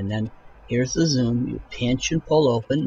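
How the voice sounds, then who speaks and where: This is a plain, everyday voice from a man at medium pitch. He talks at a fairly slow pace with ordinary pitch variation. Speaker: product reviewer. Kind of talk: tutorial.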